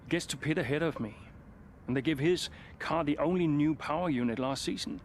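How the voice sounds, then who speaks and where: A man's voice: fairly high pitch, a little fast, slight background noise, natural voice. An actor playing a frustrated veteran male racing driver, grumbling and weary, in a video game cutscene. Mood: aggrieved.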